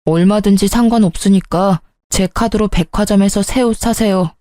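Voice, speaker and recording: A woman's voice: medium pitch, moderate pace, no echo, studio quality, natural voice. A woman voicing a frustrated grown son. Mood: exasperated. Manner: pleading then shouting at family. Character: grown son, young man, tense and frustrated. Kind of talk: dramatized story reading.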